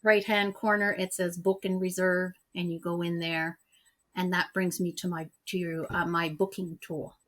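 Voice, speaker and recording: A woman's voice: on the low side, level tone, normal speed. A woman whose first language is French, talking earnestly as a guest in a conversational interview. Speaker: interview guest, EFT practitioner.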